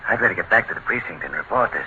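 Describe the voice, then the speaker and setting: Folksy 1940s radio policeman, bright and animated, dull old broadcast sound. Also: deep voice, rapid-fire, slight background noise, full character voice. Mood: insistent. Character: genial middle-aged male beat cop.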